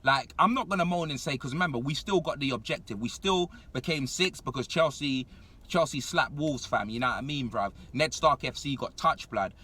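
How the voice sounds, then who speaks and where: A young man, giving a comedic, slang-heavy rant as a football fan in an animated, exasperated manner. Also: medium pitch, normal speed, breathy edge, far from the mic.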